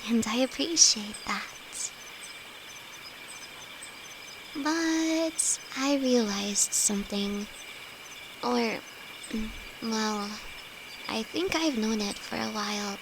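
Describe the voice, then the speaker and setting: A woman's voice: a little high, gravelly. A woman playing a timid, affectionate young apprentice alchemist in an intimate fantasy audio roleplay, speaking hesitantly to her best friend. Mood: grateful, shy. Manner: hesitant, halting, soft-hearted. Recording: noisy, with night insects behind. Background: crickets and night forest ambience.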